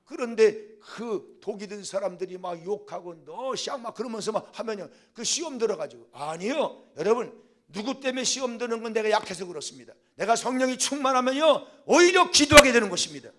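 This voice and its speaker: An older man, a senior pastor, preaching a fervent sermon that swings from loud calls to the congregation into quieter storytelling. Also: high voice, animated, fairly quick. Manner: quieter storytelling when recounting a past event.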